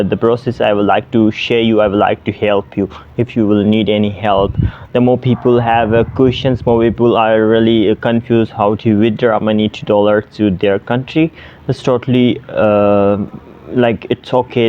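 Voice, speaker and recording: A young man from Pakistan, native Sindhi speaker, chats to camera about tutoring online. His medium-pitched voice halts often on fillers and restarts. The audio sounds slightly dull and lo-fi. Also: a little hiss or hum. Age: 20s. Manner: hesitant, many fillers and restarts. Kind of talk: casual vlog to camera.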